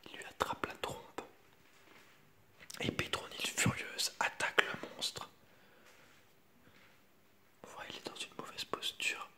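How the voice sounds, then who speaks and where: A man reads a children's picture book aloud in a hushed, unvoiced library whisper, ASMR style, adding informal asides to viewers. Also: slow pace, pauses often.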